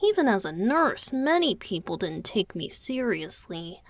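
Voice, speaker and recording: A woman voicing a gentle, youthful male vampire boyfriend in a romantic ASMR roleplay, soft and hesitant. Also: mid-range voice, big pitch swings, measured pace, no room sound. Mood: wry, sighing. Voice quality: soft, breathy, husky. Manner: hesitant, tender, sighing delivery.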